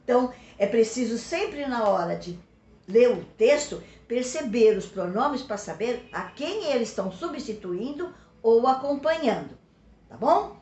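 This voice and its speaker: A woman's voice: on the high side, lively intonation, darkish tone. Patient Brazilian woman teaching, echoey room. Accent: Brazilian Portuguese. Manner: patient, with frequent checks like "tá?" and "ok?"; stretches out example words slowly. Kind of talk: recorded remote school lesson.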